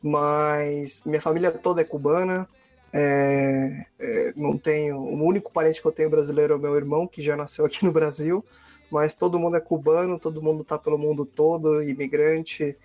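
A man from Cuba, a professor, giving relaxed, friendly answers in an interview, often restarting his phrases. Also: fairly high pitch, moderate pace. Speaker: guest, international relations professor.

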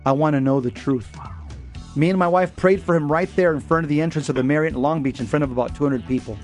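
A man's voice: on the high side, quick pace, a little mellow, soft background music. A man co-hosting a Catholic radio talk show, telling stories and teaching in an earnest, emphatic way.

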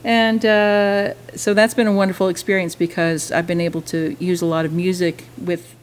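A woman's voice: lowish voice, little pitch movement, moderate pace. A woman, a musician and French teacher chatting enthusiastically in an interview. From Vermont, USA. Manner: enthusiastic, chatty, full of praise words. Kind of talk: casual interview talk.

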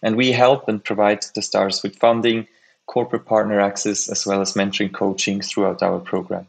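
A man's voice: on the low side, little pitch movement, fairly quick, gravelly. A man from Switzerland who leads a startup incubator, speaking eagerly as a podcast guest and often repeating words as he goes. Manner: eager, repeats words while finding them. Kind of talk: casual interview answers.

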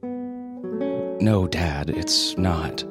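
A man's voice: low voice, drawn-out words, over loud music, voice pushed down. Man voicing a worried grown daughter. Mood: exasperated. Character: worried adult daughter of an ageing father.

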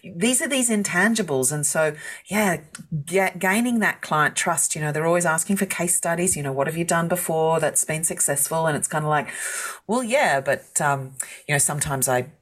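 A woman's voice: normal speed, slightly rough. A middle-aged Australian woman, a podcast guest, talking candidly and laughing easily. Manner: candid, laughs easily, animated pitch jumps. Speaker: guest, content writing agency founder. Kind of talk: podcast interview.

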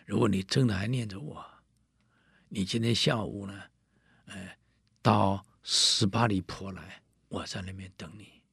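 A gentle young fox-spirit wife, as a man storyteller puts her on, speaking softly and tenderly in a hushed voice. The low, gravelly voice beneath stays close and dry, like a storybook read aloud. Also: fairly even intonation, measured pace, pauses often, no echo, heavily acted.

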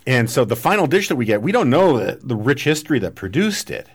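A man's voice: medium pitch, sing-song, fast, breathy edge. A man hosting a podcast, talking casually and discursively, riffing on analogies. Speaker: podcast host. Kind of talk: casual political conversation.

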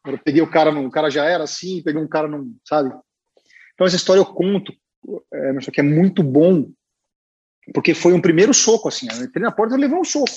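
A man with a Brazilian Portuguese accent, a guest illustrator telling a story in a chatty, animated way with lots of fillers. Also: fairly high pitch, quick pace, slightly rough, muffled recording. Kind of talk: casual storytelling.

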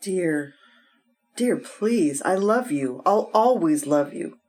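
A woman's voice: on the low side, lively intonation, slow pace, darkish tone, slightly rough, heavily acted. An actress playing a devoted wife who soothes and pleads with her sick husband in an old time radio drama. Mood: pleading.

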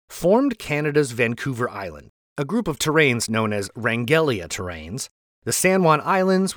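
Lively male podcast host narrating history. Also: medium pitch, dry recording, studio quality. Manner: chatty asides in read narration.

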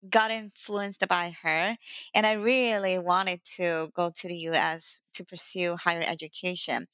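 A woman from Shanghai, China, speaking English as a podcast guest, often pausing on "um" and "uh" while she explains her path. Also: medium pitch, fairly bright tone, dry recording. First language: Mandarin Chinese. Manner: many "um" and "uh" fillers, earnest. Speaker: guest, startup CEO. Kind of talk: interview answers.

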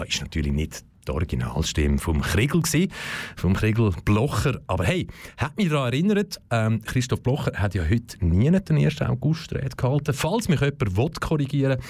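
A man's voice: mid-range voice, darkish tone. A man with a Swiss German accent hosting a live radio show in a studio, talking in a chatty, teasing way with wandering asides. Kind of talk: casual live radio talk.

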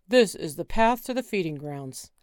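A woman's voice: fairly low pitch, expressive, moderate pace, darkish tone, no echo, clean studio sound, natural voice. A woman voicing a nervous, complaining middle-aged husband who wants to go home. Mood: fretful. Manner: whiny, complaining, reluctant.

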